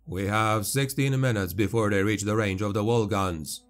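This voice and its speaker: Man voicing a calm, precise warrior-adviser. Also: lowish voice, normal speed, soft background music, natural voice. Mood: matter-of-fact. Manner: flat, matter-of-fact reporting.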